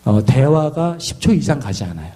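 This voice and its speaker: A pastor from Seoul preaching a sermon in a lively storytelling way, often asking the congregation questions. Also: male voice, medium pitch, moderate pace, slightly rough. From Seoul, South Korea.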